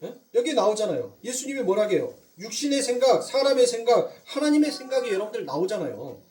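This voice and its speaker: Animated high-voiced male pastor preaching. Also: fast talker, far from the mic. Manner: questions the congregation, then answers, with rising emphasis. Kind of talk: sermon. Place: church sanctuary.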